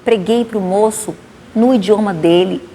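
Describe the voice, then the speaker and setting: A woman pastor with a Bahian accent, giving a lively spoken testimony and acting out the dialogue. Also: medium pitch, measured pace. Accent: Bahian Portuguese. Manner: animated, acts out dialogue. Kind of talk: testimony storytelling. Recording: long reverb, faint noise.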